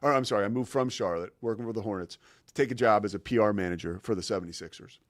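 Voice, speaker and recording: A man's voice: fairly low pitch, quick pace, dry recording, studio quality. A man in his forties hosting his own show, telling a long personal story in a casual, rambling way with lots of fillers and restarts. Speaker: show host.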